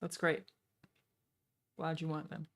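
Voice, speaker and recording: Gravelly-voiced Australian woman streamer. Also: deep voice, monotone, measured pace. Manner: teasing, profane banter. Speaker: streamer host. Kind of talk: casual live-stream chat.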